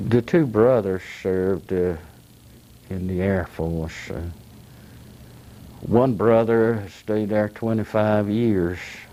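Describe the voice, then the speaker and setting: A man with a Georgia accent, fairly low in pitch and dark and mellow in tone, at a very slow pace with long, frequent pauses and ordinary pitch variation. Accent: Georgia Southern. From US South. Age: 70s. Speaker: war veteran. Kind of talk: oral history interview. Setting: library. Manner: halting.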